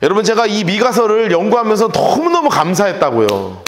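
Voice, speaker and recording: Animated high-voiced male pastor in echoey hall. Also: fairly quick. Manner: emphatic, repeating phrases with rising intensity. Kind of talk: Bible study sermon. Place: church sanctuary.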